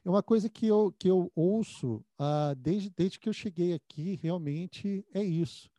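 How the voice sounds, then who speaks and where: A man's voice: high voice, measured pace, mellow, no room sound. A man interviewing a guest in casual conversation, often repeating words while he thinks.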